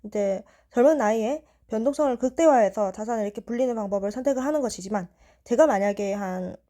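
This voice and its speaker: A young woman in her twenties calmly walking through stock chart analysis. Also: a little high. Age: 20s.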